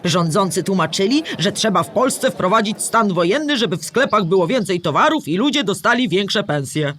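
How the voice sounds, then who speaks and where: A woman's voice: medium pitch, expressive, normal speed, fairly bright tone. Patient female history storyteller. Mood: explanatory, grave. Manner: clear, patient, explanatory storytelling. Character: Historyjka, older female storyteller who remembers wartime. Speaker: narrator explaining history to children. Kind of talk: scripted educational audio drama narration.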